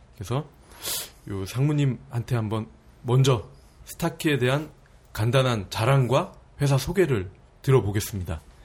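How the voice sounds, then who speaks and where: A somewhat breathy man with a medium pitch speaks at a moderate pace, taking long, frequent pauses. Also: lively intonation. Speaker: radio podcast co-host. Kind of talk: interview.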